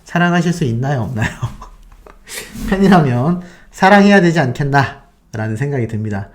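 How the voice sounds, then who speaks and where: A man hosting a fan channel, excitedly retelling events and throwing rhetorical questions at his viewers. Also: medium pitch, normal speed. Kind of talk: animated storytelling to viewers.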